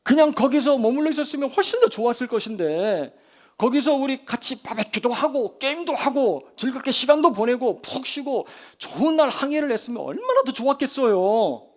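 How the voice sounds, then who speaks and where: A man's voice: very high-pitched, expressive, brisk, pitched above the performer's own voice. A male preacher voicing a group of frightened men who complain and blame, in a raised, pleading, accusing tone. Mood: whining, accusing.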